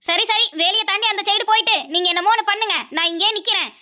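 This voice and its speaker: A woman's voice: very high-pitched, steady tone, fast talker, bright, forceful tone, full character voice. A woman voicing a scolding, wary village woman. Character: wary, scolding village woman Shanthi, elder sister type. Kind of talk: Tamil cartoon dub.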